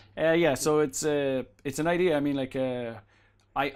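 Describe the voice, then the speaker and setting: With an Irish accent, a man speaks in fairly even intonation. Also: very clean recording, silent background. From Ireland. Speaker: software company founder and CEO. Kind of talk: interview. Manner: halting, with many fillers and restarts.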